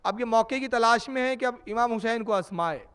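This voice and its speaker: A preacher with a high voice tells a story in a religious sermon. His narration is dramatic and repeats phrases for effect. His tone is smooth and resonant. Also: normal speed, a bit bright.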